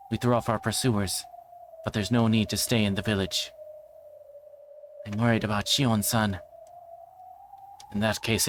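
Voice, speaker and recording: A man's voice: on the low side, slight background noise. A man reading a visual novel aloud as a livestreamer, now and then stumbling and rereading. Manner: stumbles over words and rereads them.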